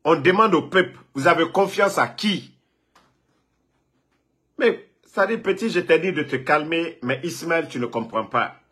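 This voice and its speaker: A man's voice: on the high side, measured pace, fairly bright tone. A man from Guinea, ranting and scolding a rival on a live phone video, repeating himself. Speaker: political online commentator.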